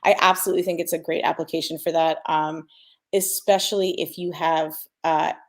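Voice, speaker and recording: A woman with a fairly low voice and a heavy creak in it. She speaks casually and informally, like a sound designer on a panel who enjoys talking through the work. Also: steady tone, fairly quick. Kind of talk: casual conference panel talk.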